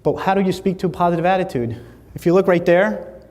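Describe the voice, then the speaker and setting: A man, giving a keynote speech and acting out stories with lively dialogue. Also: high-pitched, quick pace, big-room sound. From Latin America, Spanish-speaking. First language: Spanish. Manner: animated storyteller acting out dialogue. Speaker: motivational speaker. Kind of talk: keynote speech to a live audience. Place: large hall.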